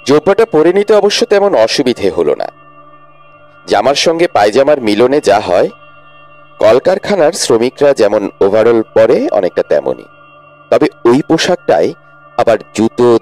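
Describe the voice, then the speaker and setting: Expressive male storybook narrator. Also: mid-range voice. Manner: expressive, rising with tension. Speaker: audiobook narrator.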